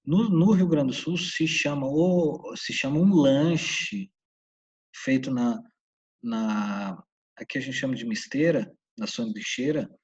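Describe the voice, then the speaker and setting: A Brazilian man from Santa Catarina with a husky voice teaches a casual English class. He pauses and repeats each English word slowly. His voice sits at a middle pitch and comes through a dull, distant mic. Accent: Brazilian Portuguese, Santa Catarina.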